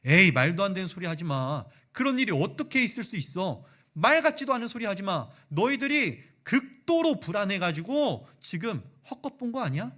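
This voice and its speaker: A man's voice: sits high, sing-song, moderate pace, hardly any pauses, fairly bright tone, pitched above the performer's own voice. A male pastor voicing a stubborn, scornful male disciple who mocks and refuses to believe. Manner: mocking, dismissive, insistent.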